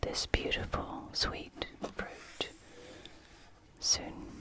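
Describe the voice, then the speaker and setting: Very slow whispering against noticeable background noise. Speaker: ASMR creator. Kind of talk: ASMR literary commentary. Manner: whispered.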